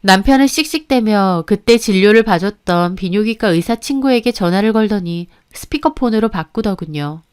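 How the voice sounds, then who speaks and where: A woman's voice: medium pitch, lively intonation, normal speed, few pauses, darkish tone, clean tone. A woman narrating her own life story in the first person, in the earnest style of a radio story.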